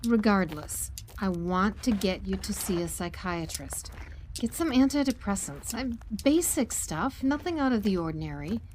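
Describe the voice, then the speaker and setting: An actress playing a level-headed, protective woman doctor in an audio drama, explaining things in a measured, concerned way. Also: mid-range voice, lively intonation, a little mellow, a little hiss or hum, close to an everyday voice, poor audio. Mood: concerned, firm.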